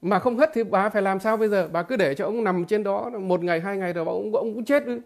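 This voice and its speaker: A man giving a political commentary monologue to his viewers, halting and repeating filler words, emphatic and blunt. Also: sits high, creaky. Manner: emphatic, with blunt crude imagery.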